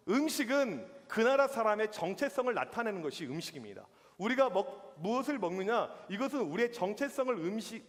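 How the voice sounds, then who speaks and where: Lively youth pastor preaching in a hall. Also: male voice, sits high. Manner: animated storytelling with acted-out reactions. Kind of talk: sermon. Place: church hall.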